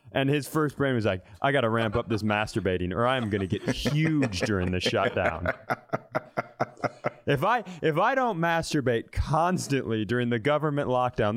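A man's voice: medium pitch, animated, moderate pace, no room sound. A man co-hosting a comedy podcast in casual banter, teasing and crude in his humor. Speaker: podcast co-host.

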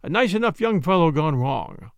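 Guy doing a smug brisk police inspector, bit of gravel, talks down to you, audiobook. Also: on the high side, sing-song, no echo. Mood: smug, soothing. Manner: satisfied, emphatic, soothing condescension.

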